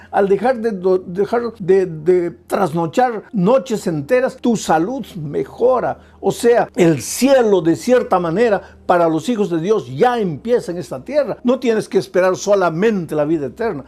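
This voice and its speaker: A man's voice: high voice, dark tone. A male pastor preaching a sermon in a repetitive cadence, with piled-up phrases and rhetorical questions.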